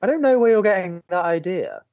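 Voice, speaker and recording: A man's voice: high-pitched, animated, fairly quick, dry recording, highs cut off. A man playing an exasperated young college radio DJ, bantering with dry sarcasm and a defensive edge. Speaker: radio host.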